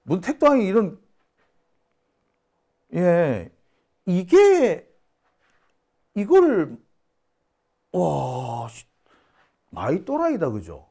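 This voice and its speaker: Male news commentator, scoffing and exasperated, high-pitched and animated. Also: extremely slow, gravelly, long pauses. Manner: indignant, scoffing, exclaims and sighs. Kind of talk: solo talk-show commentary.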